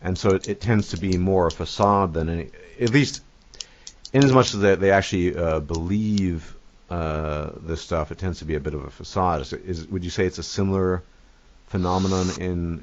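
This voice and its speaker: A man with an extremely deep voice hosts a casual interview. He speaks haltingly, restarts his phrases and drops dry, sardonic asides. The sound is dull and lo-fi. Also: fairly even intonation, slight background noise. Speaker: host and interviewer. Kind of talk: casual conversation, asking questions.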